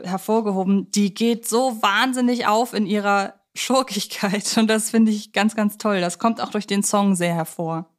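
A woman's voice: medium pitch, fairly even intonation, moderate pace, hardly any pauses. A woman co-hosting a podcast in a studio, discussing films casually in an enthusiastic, reflective way.

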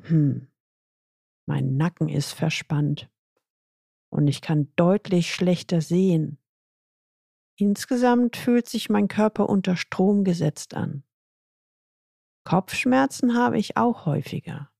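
A woman's voice: lowish voice, slow, creaky, long pauses, warm tone, no echo, clean studio sound, heavily acted. A woman voicing a stressed, frustrated female executive with tense, exasperated complaints, in a plain reading voice. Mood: reflective.

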